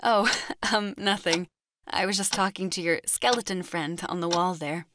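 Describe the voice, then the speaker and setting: An actress playing a subdued, polite young student clerk in an audio drama, talking hesitantly. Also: female voice, fairly low pitch, moderate pace, natural voice. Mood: sheepish. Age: young adult. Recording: noisy background with clicks.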